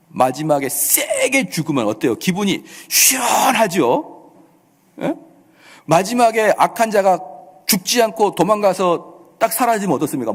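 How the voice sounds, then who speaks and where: A male pastor preaches in a church, his fairly high voice rising and falling in lively swings as he fires rhetorical questions at the congregation. A long hall reverb trails every phrase. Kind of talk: sermon. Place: church sanctuary.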